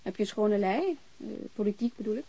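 A woman's voice: mid-range voice, lively intonation, a little fast, warm tone, no room sound, dull audio. An actress playing an outspoken, chatty middle-aged landlady in a naturalistic radio drama, talking bluntly and restarting her sentences. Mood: skeptical. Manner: talkative, blunt, breaks off and restarts.

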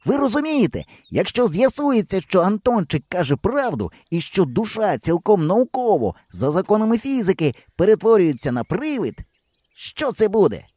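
A man playing an excitable boy inventor. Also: high voice, moderate pace, dry recording, clean studio sound, voice pushed up. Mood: excited. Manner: eager, exclaiming, sarcastic. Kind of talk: audiobook reading.

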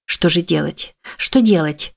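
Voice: mid-range voice, a little slow, gravelly, a bit bright. A narrator voicing a panicky, explosive blonde woman driver who shrieks and pleads. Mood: flustered.

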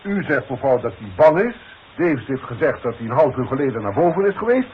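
Actor as stern company boss, formal and authoritative. Vintage Dutch radio play, dull noisy recording. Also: male voice, mid-range voice, sing-song, brisk, close to an everyday voice. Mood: stern, concerned. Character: stern, cautious boss disclaiming responsibility.

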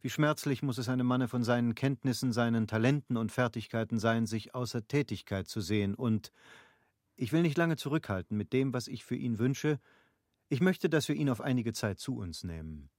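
An actor playing an earnest, eager middle-aged landowner and husband in a literary radio play, speaking formally and persuasively. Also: male voice, medium pitch, lively intonation, normal speed, a little mellow, no room sound, clean studio sound, lightly acted. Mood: earnest, confiding. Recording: faint outdoor background noise, birdsong. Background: birdsong, outdoor ambience.

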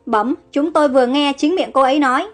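A woman's voice: high-pitched, a little fast, faint music behind, close to an everyday voice. A woman reading panicky soldiers. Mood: alarmed. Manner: alarmed. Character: panicky male foot soldiers.

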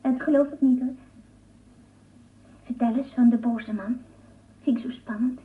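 A woman's voice: fairly high pitch, fairly even intonation, a little slow, natural voice. A woman playing a naive, curious small child in a radio drama, eagerly asking questions, both thrilled and scared. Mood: curious, teasing. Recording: distant, phone-like archive radio recording.

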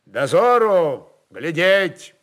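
A man voicing a forceful Cossack chieftain in a storybook reading, speaking in curt, authoritative, barking phrases. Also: a little high, very animated, drawn-out words, voice pushed up, heavily acted. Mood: firm, rallying.

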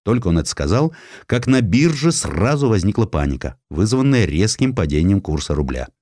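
A man's voice: fairly low pitch, sing-song, normal speed, darkish tone, slight background noise. A man narrating historical sketches as an audiobook, reading expressively with a theatrical storytelling manner. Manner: theatrical storytelling, acting out quotes.

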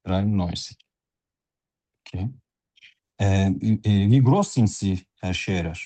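A man's voice: deep voice, takes it slowly, mellow. A man as a doctor taking a patient's history in a practice interview, speaking formally and politely. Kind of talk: role-played doctor-patient practice talk.

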